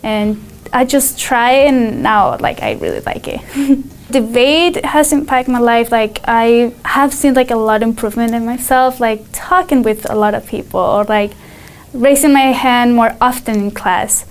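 Teen girl from Mexico, clear voice. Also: fairly high pitch, steady tone, measured pace. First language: Spanish. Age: teens. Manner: hesitant, many "like" fillers. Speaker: student debater. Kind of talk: casual interview answers.

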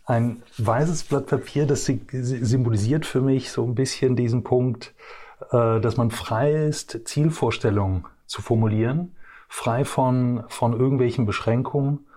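A man's voice: mid-range voice, mellow. A man in his fifties from Belgium, answering interview questions as an executive guest, hesitantly feeling for his words. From Brussels region, Belgium. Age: 50s. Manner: hesitant, halting, feels for words.

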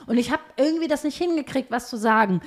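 A young woman co-hosts a podcast from home, casually sharing personal stories in colloquial language. Her voice is high, quick and lively in intonation.

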